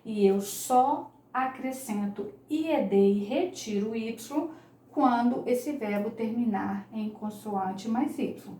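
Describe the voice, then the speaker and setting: A woman's voice: fairly high pitch, slow pace, dark tone, reverberant, a little hiss or hum. A woman, teaching English grammar in an online lesson, patiently repeating each key point.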